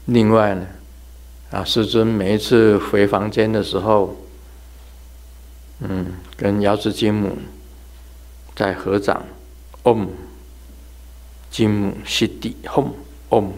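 A man's voice: fairly low pitch, little pitch movement, takes it slowly, pauses often, a little mellow. A man giving a religious talk in a chatty, storytelling way, laughing and imitating sounds as he goes. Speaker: religious teacher. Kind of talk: sermon told as humorous ghost anecdotes.

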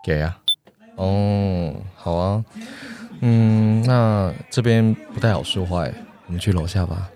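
Man acting a deep-voiced flirtatious gay charmer. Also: slow pace, warm tone, soft background music. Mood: teasing, flirty. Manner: teasing, coaxing, suggestive. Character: flirtatious, teasing, confident gay man at a bar. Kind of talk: improvised-feel romantic radio drama acting.

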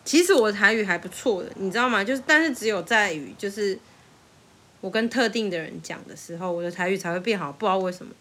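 Speaking fast in a mid-range voice, this young woman tells stories in a relaxed chat, laughing frequently. Her accent is Taiwanese Mandarin, and her delivery is lively and animated.

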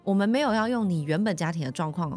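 A woman's voice: fairly low pitch, expressive, fast, a little mellow, faint music behind. A woman hosting a casual podcast chat with a Taiwanese Mandarin accent, teasing and laughing often. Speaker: podcast host.

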